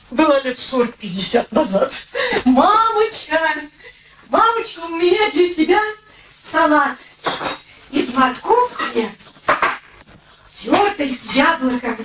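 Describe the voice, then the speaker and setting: A woman's voice: sits high, heavily acted. A woman acting in a radio play as a devoted, wry middle-aged daughter, soothing and practical with dry irony. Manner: soothing, practical, dryly ironic. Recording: steady background noise.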